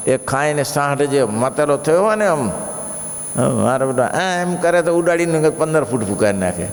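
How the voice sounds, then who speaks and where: Gravelly preacher in a hall. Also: male voice, medium pitch. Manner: animated, acts out story characters with shouts. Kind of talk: sermon with storytelling. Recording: reverberant hall.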